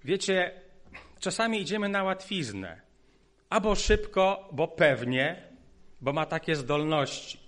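A man delivering a sermon in a fairly high voice for a man. He sounds earnest and pleading as he addresses his listeners warmly. He drops to soft, low asides, then rises to stressed appeals. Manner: addresses listeners as "dear ones". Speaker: preacher.

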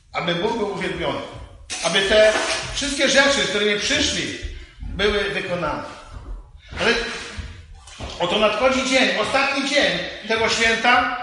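A man's voice: high-pitched, sharp tone. A man preaching a sermon to his congregation, repeating and stressing his phrases for emphasis. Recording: roomy hall with long reverb, faint noise.

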